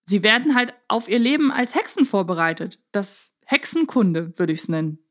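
A woman's voice: mid-range voice, expressive, normal speed. Woman chatting as a podcast co-host. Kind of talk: casual podcast discussion of an audio drama series.

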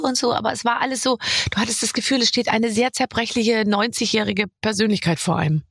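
A woman's voice: on the high side, steady tone, fast talker, husky, no echo. A woman hosting a podcast, chatting casually and telling stories with a teasing edge. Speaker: podcast host. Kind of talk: casual chat.

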